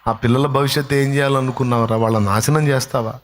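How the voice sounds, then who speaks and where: A man preaching, acting out a scornful male relative who taunts and scolds a believer, his voice climbing high as he jeers. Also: steady tone, racing, a little hiss or hum, lightly acted. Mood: mocking. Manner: taunting, scolding, rising to shouts.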